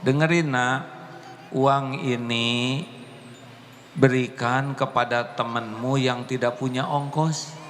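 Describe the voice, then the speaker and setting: A devout father, coaxing and insistent, his voice lifted higher, as a preacher plays him. Long hall reverb hangs on each phrase. He talks slowly. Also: fairly even intonation, a bit bright, a little hiss or hum. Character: devout father, calm, firm in faith.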